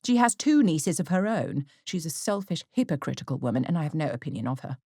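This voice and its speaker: A woman's voice: deep voice, sing-song, fast, dark tone, breathy edge, no room sound, studio quality, exaggerated voice. A woman voicing a flighty, nervous middle-aged mother in an audiobook, exclamatory and easily aggrieved or gushing. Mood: resentful. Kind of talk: audiobook character acting.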